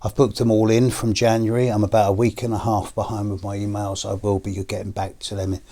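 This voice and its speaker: A middle-aged British man with a hoarse, deep voice and a cough, talking slowly to his viewers in a personal video with pauses and fillers. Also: little pitch movement, mellow. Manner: slow, measured, with pauses and fillers. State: hoarse and coughing after illness. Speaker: astrologer.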